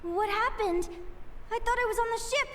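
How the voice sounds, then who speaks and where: A woman's voice: extremely high pitch, fairly bright tone, a little hiss or hum, exaggerated voice. A woman voicing a curious, earnest young adventurer in a video game, talking in a wistful, wondering way. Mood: frightened.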